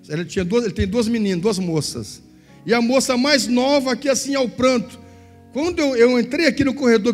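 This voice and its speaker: A man with a Southern Brazilian accent preaching a sermon in a large church hall, telling stories animatedly and acting out the people in them. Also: high-pitched. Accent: Southern Brazilian Portuguese. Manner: animated storytelling, voices others in quotes. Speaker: pastor. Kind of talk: sermon with acted-out anecdotes. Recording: echoey church hall with faint music.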